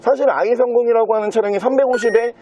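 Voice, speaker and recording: A man with a very high-pitched voice presents a used car as its dealer. He delivers a fluent sales patter, moving through the walkaround like a practised car salesman. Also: fairly even intonation, fast talker, mellow, a little hiss or hum.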